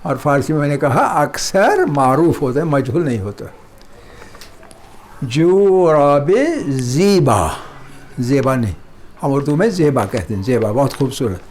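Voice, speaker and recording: A middle-aged man teaching a Persian lesson, repeating words slowly and explaining them in a mix of Hindustani and English. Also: a little high, animated, darkish tone, slight background noise. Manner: slow, drawn-out repetition of words. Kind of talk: slow classroom lesson.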